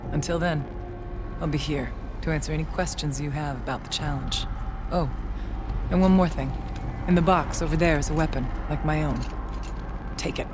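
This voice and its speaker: An actor playing an earnest tribal counselor who speaks solemnly, in a video game. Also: male voice, a little high, noisy background, lightly acted. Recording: game cutscene with outdoor ambience.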